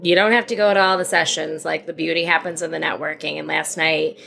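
A woman's voice: sits low, steady tone, fairly quick, creaky, fairly bright tone, a little hiss or hum. A woman co-hosting a podcast, chatting casually and acting out quoted asides, recorded at a busy conference. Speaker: podcast co-host. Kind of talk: casual chat.

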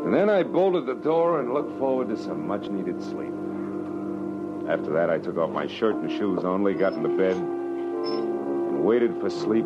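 A man's voice: sits low, highs cut off. An American man acting in an old radio drama as a tough, wry private detective, terse and slangy. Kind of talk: 1940s radio drama acting, first-person narration. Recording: noisy, band-limited old radio recording.

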